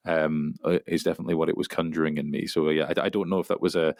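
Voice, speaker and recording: Very deep-voiced, hesitant man. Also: level tone, rapid-fire, a little mellow, dry recording, studio quality. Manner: hesitant, many fillers and restarts, chuckles. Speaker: voice actor guest. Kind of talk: casual interview chat.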